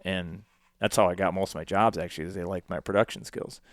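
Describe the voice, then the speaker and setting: A man's voice: sits low, fairly even intonation, quick pace, no echo, studio quality. A man in his forties chatting casually on a podcast, rambling and full of fillers. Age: 40s. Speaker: podcast guest.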